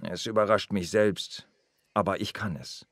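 An actor playing a weary but tender police inspector in a radio crime drama, speaking calmly and gently. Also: male voice, low-pitched, unhurried, no echo, studio quality. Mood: gentle. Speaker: inspector Anton Jäger.

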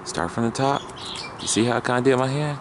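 A man's voice: medium pitch, fairly quick. A man in a kayak on a reedy lake, patiently coaching a companion through catching and handling fish, recorded on a head-mounted camera. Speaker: angler teaching a companion to fish. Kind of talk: casual outdoor chat. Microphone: head-mounted action camera. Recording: noisy outdoor camera audio.

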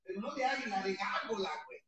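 A man's voice: extremely high pitch, animated, moderate pace, very noisy. A man with a Mexican accent giving an impassioned, heavily profane testimony at a support-group meeting, his voice often breaking. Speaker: recovering alcoholic giving testimony. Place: meeting hall with an audience. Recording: echoey hall, mic far off, crowd behind.

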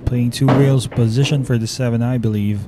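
Man, Filipino accent, pool commentator, mid pitch, noisy broadcast audio. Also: fairly even intonation, brisk. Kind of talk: live sports commentary. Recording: noisy live stream audio.

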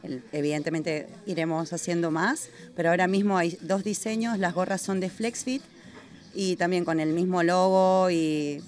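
A woman, a brand founder, answering questions in a relaxed, slightly hesitant way. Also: on the low side, normal speed. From Argentina. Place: indoors in a busy restaurant. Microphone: handheld mic held by interviewer.

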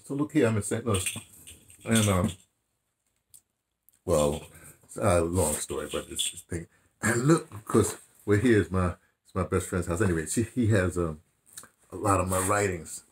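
An American man in his seventies with a husky voice, reminiscing casually to camera in a halting, digressive way, correcting himself as he goes. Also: low-pitched, lively intonation, slight background noise. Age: 70s. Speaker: theatre director and radio dramatist recounting his career. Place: small furnished room indoors.

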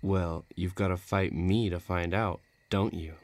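A man's voice: low-pitched, fairly even intonation, measured pace, no echo. A man playing a menacing, bloodthirsty villain who taunts and threatens in an audio roleplay. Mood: taunting, eager. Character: menacing bloodthirsty male villain craving a duel.

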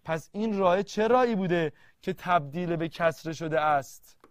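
A man teaching a literature grammar lesson, quizzing the class and reading verses slowly word by word. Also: high-pitched. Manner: lively, quizzing students and answering himself.

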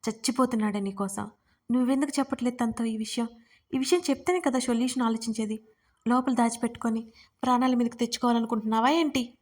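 A woman's voice: on the high side, steady tone, fast talker, natural voice. A woman narrator voicing a distraught young woman who pleads with and scolds her friend through tears. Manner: tearful, pleading, shouting.

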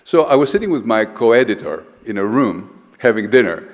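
A man's voice: on the low side, sing-song, moderate pace. An older man from Greece giving an emphatic architecture lecture at a lectern, often restarting and repeating words. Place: large lecture hall, standing at a lectern. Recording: lecture hall with long reverb.

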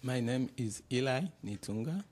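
A middle-aged man from Burundi introducing himself as a panel guest in a classroom, speaking haltingly with many pauses into a handheld mic. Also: mid-range voice, background noise. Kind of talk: personal introduction.

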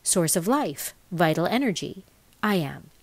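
A woman reading a scripted explainer aloud as a voice-over narrator, with measured enunciation. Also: fairly low pitch, very animated, darkish tone, no room sound. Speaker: voice-over reader.

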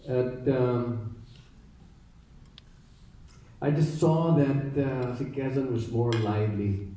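A Filipino actor at a press conference, answering thoughtfully in mixed English and Tagalog with many fillers. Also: male voice, mid-range voice, slow pace, warm tone, slight background noise. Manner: reflective, many fillers and restarts. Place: large theater stage. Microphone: handheld mic heard through hall speakers. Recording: echoey hall from far off.

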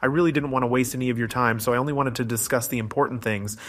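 A man's voice: mid-range voice, fairly even intonation, racing, a bit bright. Man narrating a step-by-step tech tutorial. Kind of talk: scripted explanatory narration.

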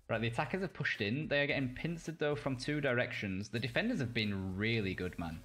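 A young British man casting a live video game match, reacting quickly and cracking jokes between calls. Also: medium pitch, fairly bright tone. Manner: quick reactive play-by-play, jokey asides. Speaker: caster. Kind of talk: live esports play-by-play commentary.

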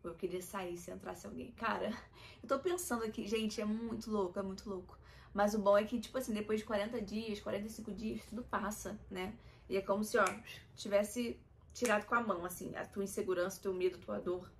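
A woman's voice: mid-range voice, steady tone, fairly quick, a little hiss or hum. A young adult woman with a Brazilian Portuguese accent, talking candidly and emotionally to her viewers in a personal vlog. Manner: emotional, confiding, addresses viewers as "gente". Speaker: vlogger.

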